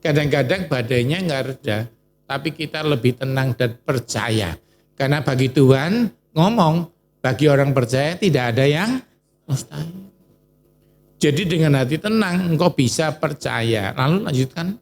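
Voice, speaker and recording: A man preaching a sermon in Indonesian churches' lively style, asking the congregation questions and calling on a reader. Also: on the high side, normal speed.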